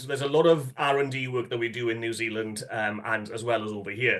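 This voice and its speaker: A man's bright, sharp voice with a Welsh accent. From Wales. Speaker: animal parasite testing specialist. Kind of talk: webinar presentation. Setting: online webinar. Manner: halting, many fillers and repetitions.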